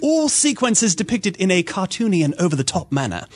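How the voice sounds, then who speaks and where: High voiced guy hosting a games podcast, super animated, pitch all over, giggly when he reads. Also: a little fast. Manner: animated, breaks into giggles while reading. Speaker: podcast host. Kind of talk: gaming podcast chat and mock-dramatic reading aloud.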